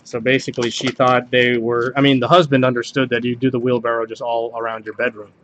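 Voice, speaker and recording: A man's voice: mid-range voice, flat delivery, fast, fairly bright tone, slight background noise, rough recording. A man reads party jokes aloud in a casual way, hosting a home video and sometimes stumbling over the text and rereading lines.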